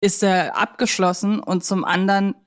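A woman's voice: mid-range voice, level tone, moderate pace. A woman co-hosts a podcast, discussing films casually in a chatty, appreciative way. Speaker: podcast co-host.

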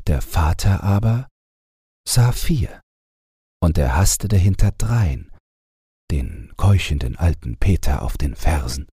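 Male audiobook narrator for bedtime tales. Dark, mellow tone, lively intonation, measured storytelling, close dry sound. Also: low voice, breathy edge, no echo. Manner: measured, expressive storytelling with deliberate phrasing. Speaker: audiobook reader.

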